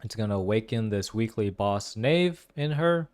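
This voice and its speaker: Animated young guy reacting to a game. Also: fairly low pitch, normal speed. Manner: slangy, animated, exclamatory. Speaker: game streamer reacting to a story quest. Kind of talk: casual gaming reaction commentary.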